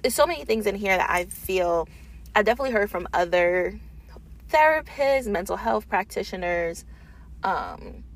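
A woman's voice: medium pitch, vocal fry. A woman talking casually and informally in an unedited solo podcast, thinking aloud as the host, recorded in a small office booth.

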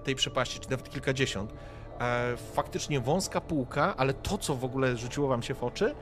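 A man running a tabletop game as game master, describing scenes directly to the players with frequent hesitations. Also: medium pitch.

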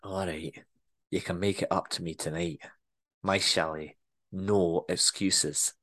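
Man voicing a bossy woman manager, put-on Scottish accent, husky murmur, lowish pitch. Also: fairly even intonation, takes it slowly, bright, forceful tone, heavily acted. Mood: sultry. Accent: attempted Scottish.

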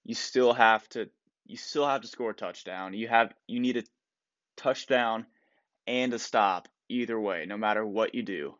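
A man's voice: lowish voice, normal speed, a bit bright, no room sound, dull audio. Stuffy-nosed man hosting a solo podcast. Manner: rambling, restarts, opinionated. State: stuffed-up nose. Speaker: podcast host. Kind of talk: solo sports opinion podcast.

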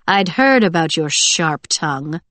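A woman's voice: sits low, lively intonation, measured pace, fairly bright tone, no room sound. A woman reader plays a haughty male official in an audiobook. He speaks in a clipped, imperious way with cold menace. The recording is close and dry. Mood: contemptuous.

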